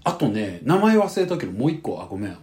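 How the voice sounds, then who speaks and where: A man with a Kansai accent tells a story at a quick clip in a casual podcast chat. His pitch moves freely as he acts out the people in his story. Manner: animated storytelling, acting out quoted dialogue. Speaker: podcast co-host.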